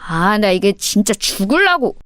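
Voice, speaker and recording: A woman's voice: fairly high pitch, lively intonation, moderate pace, no room sound, clean studio sound, pitched above the performer's own voice, natural voice. A woman voicing a swaggering teen boy bully. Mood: menacing. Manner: swaggering, rough, threatening. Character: threatening male high school bully, teenage senior.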